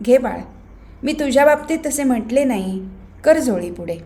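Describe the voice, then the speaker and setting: A woman's voice: high-pitched, animated, moderate pace, a little mellow. A woman voicing a firm, caring mother who speaks earnestly in a novel reading. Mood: tender.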